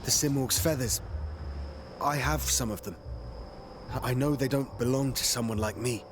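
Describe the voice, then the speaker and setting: An actor playing a confident, loyal young warrior in a video game. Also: male voice, mid-range voice, normal speed, noisy background, lightly acted. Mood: resolute. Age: young adult.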